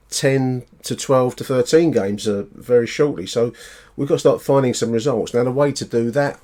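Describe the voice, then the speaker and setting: Low-pitched man hosting a football podcast. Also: a little mellow. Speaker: football fan podcast host. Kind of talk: conversational football commentary.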